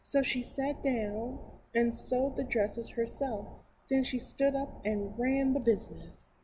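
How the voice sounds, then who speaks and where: In a rough recording marked by clear, steady background noise, a middle-aged American woman reads a picture book at a children's library storytime. Her voice is fairly high and her pace slow, and she exclaims expressively, adding enthusiastic, chatty comments, indoors in front of a painted mural.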